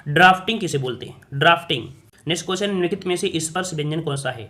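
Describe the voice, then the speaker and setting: A man leads a coaching lesson and works through quiz answers one by one. His voice sits a little high. He poses each question aloud, then repeats it and answers it himself. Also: very fast, pushed and bright. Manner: repetitive, asks and answers his own questions. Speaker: exam coaching teacher. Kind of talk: spoken quiz walkthrough lesson.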